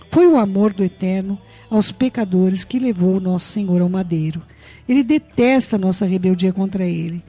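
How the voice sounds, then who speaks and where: Brazilian woman preacher, Brazilian Portuguese accent, mid-pitched, earnest sermon delivery with frequent rhetorical check-ins. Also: dark tone. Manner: earnest, tags phrases with rhetorical questions, addresses listeners fondly.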